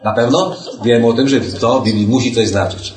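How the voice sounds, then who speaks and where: A man's voice: mid-range voice, brisk, darkish tone. Male Bible study teacher, reads scripture then explains it casually and asks rhetorical questions, heard from a distance in an echoey room. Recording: echoey room, mic at a distance, faint noise.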